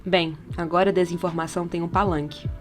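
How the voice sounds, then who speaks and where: Very fast-talking Brazilian woman narrating. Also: fairly low pitch, level tone. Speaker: podcast narrator. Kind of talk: scripted essay narration. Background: background music.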